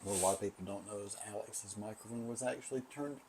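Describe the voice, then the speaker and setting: A man's voice: on the low side, fast, darkish tone. A middle-aged man co-hosting a podcast in casual chat, rambling, swearing casually and hedging what he says. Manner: rambling, swears casually, hedges his claims. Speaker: podcast co-host.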